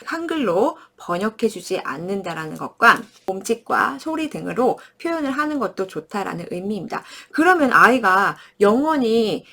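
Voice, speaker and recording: Brief: woman in her thirties, warm-toned presenter-mom, wide-ranging expressive pitch, acts things out for parents. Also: normal speed, few pauses. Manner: animated, acts out words with lively gestures and sounds; often checks in with listeners by asking "right?". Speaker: early-childhood education presenter. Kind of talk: friendly parenting lesson.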